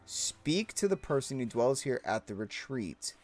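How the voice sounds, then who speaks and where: Chatty gamer man, lively voice. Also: medium pitch, unhurried, soft background music. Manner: chatty, self-mocking asides. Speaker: let's play gamer. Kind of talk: casual gameplay commentary.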